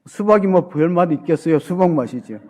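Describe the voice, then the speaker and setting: Brief: man playing a deadpan Chungcheong country melon seller, slow and dry, fairly high voice. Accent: Chungcheong dialect. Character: laid-back rural male melon seller, dry wit.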